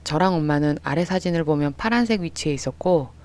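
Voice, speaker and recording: A story radio narrator reading a listener's account in a steady, mid-pitched voice. Quoted lines of dialogue come out higher and louder. The delivery stays scripted and even throughout. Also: fast talker.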